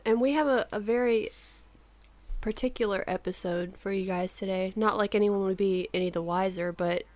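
A woman in her thirties, a podcast co-host, has a casual chat with her co-hosts in a mid-range, darkish voice at normal speed and a steady tone. She still sounds a little sleepy, laughs often and swears casually while telling her stories.

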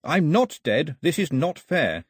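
A man reading as a scared, defiant young man in a storybook, protesting insistently with a lifted, husky voice. It sounds dry and close. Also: on the high side, very animated, unhurried, dry recording, pitched above the performer's own voice, heavily acted. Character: frightened, defiant young male runner.

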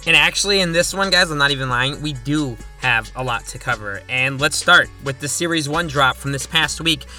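A man hosting his own sports podcast, chatting casually with joking asides and quick rundowns. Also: fairly high pitch, bright, forceful tone, faint music behind. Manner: chatty, jokey asides, rapid topic rundowns. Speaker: podcast host.

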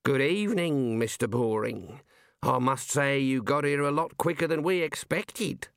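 A man's voice: mid-range voice, a little slow, a bit bright, smooth, no echo, clean studio sound. A man voicing an elderly, bluff and irritable wizard leader for an audiobook, with a blunt, commanding manner. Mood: blunt, confident.

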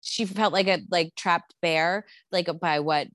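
A young woman with a slightly low voice co-hosts a casual chat, opinionated and full of "like". The sound is dry and close, with no room around her. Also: a little slow, fairly bright tone, dry recording. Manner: chatty, opinionated, heavy use of "like". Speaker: podcast co-host.

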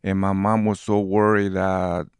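A man's voice: low voice, measured pace, smooth, no room sound, studio quality. A man in his fifties from Guatemala with a Guatemalan Spanish accent, animatedly telling his life story in an interview. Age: 50s. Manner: warm, animated storyteller who laughs easily. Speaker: movie theater manager.

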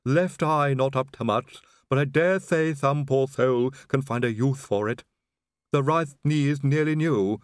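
A man voicing a gravely wounded male servant who talks in a broken working-class dialect. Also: medium pitch, unhurried, dry recording, clean studio sound, pitched above the performer's own voice, natural voice. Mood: urgent, fading. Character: dying old male servant, dialect-speaking.

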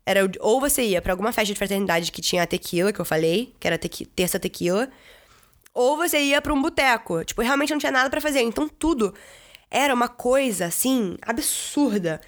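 A woman's voice: fairly high pitch, lively intonation, a little fast. A young woman from Brazil telling stories in a casual vlog, chatty, full of fillers and the odd swear word. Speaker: vlogger. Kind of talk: casual storytelling.

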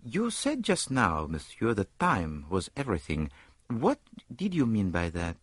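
A man's voice: lowish voice, huge pitch swings, a little slow, slightly rough, no room sound, studio quality, full character voice. A man reading aloud, voicing a fussy, vain male detective with a grand, precise manner.

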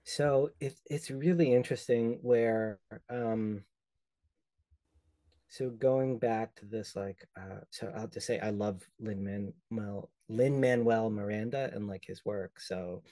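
A young man from El Salvador, a podcast guest speaking thoughtfully in an interview, often pausing and restarting as he searches for words. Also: lowish voice, mellow, no room sound. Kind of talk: reflective conversational interview.

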